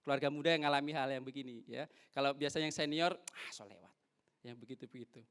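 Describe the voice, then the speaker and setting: A young male pastor preaching a sermon in church, lively, acting out little exchanges between husband and wife. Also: mid-range voice, quick pace, smooth. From North Sulawesi, Indonesia. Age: young adult.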